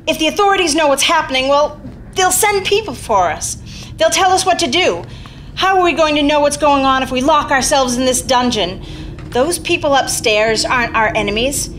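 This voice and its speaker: A woman's voice: sits high, expressive, moderate pace, fairly bright tone, a little hiss or hum. A woman playing a bitter, long-suffering, exasperated wife in a radio play. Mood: urgent, reasoning. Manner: biting, exasperated. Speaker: actor in a staged radio play. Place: theater stage. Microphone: stand microphone.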